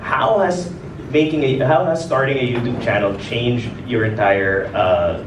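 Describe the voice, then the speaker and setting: A man's voice: mid-range voice, a little slow, noisy background. A man moderating a live creator panel, chatty and often restarting his questions. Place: event hall with audience. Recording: echoey hall from far off.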